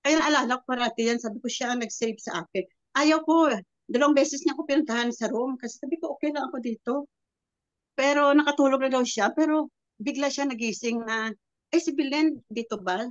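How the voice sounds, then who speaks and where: A woman in her seventies sharing a personal testimony with a prayer group. She tells it in a halting, rambling way and acts out the quoted dialogue. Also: high voice, dry recording, muffled recording. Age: 70s. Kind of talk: personal testimony, casual storytelling.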